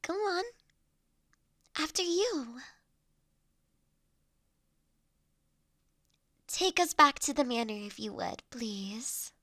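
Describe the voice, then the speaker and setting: A woman acts out a genteel noblewoman with a high, bright voice and slow, measured delivery. She speaks formally, with poised authority and a kindly touch, letting phrases trail off softly. It is a close, dry audio roleplay recording. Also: big pitch swings, no echo, heavily acted. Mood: considerate. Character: refined young noblewoman, mine overseer, poised, authoritative yet kindly. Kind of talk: scripted audio roleplay addressed to listener.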